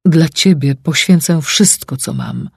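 A man voicing a rash but loving young king, earnest and pleading, with a husky voice. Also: a little high, huge pitch swings, a little slow, dry recording, clean studio sound, voice pushed up, exaggerated voice. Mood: anguished.

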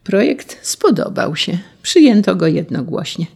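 A woman's voice: mid-range voice, very animated, unhurried, vocal fry, darkish tone, slightly rough. A woman reading a children's story aloud, putting on voices for the characters. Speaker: narrator. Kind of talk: storybook narration.

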